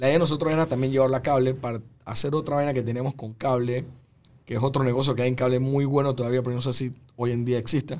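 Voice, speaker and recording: A man talks at a very fast pace. His medium-pitched voice stays monotone and flat. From Panama. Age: old. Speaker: TV comedy writer and producer; podcast guest. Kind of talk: casual chat. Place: office. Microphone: studio mic.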